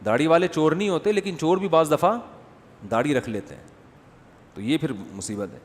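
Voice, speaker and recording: A man delivers a humorous religious talk, his voice pitched a little high. He tells stories with comic impressions and works through audience questions. The sound carries a long hall reverb. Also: expressive, slight background noise. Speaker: Islamic scholar answering questions.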